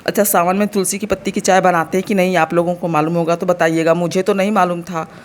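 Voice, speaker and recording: A woman's voice: lowish voice, little pitch movement, quick pace. A woman in her thirties from India with an Uttar Pradesh Hindi accent and a slightly sore throat, chatting to her viewers in a casual home vlog. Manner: chatty, addresses viewers directly, explains as she goes. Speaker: vlogger.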